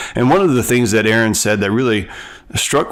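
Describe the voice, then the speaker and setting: A man with a slight Southern US accent and ordinary pitch variation. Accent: little Southern accent, blames MTV. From Tennessee, rural West Tennessee (Jackson). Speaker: podcast host. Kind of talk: podcast interview.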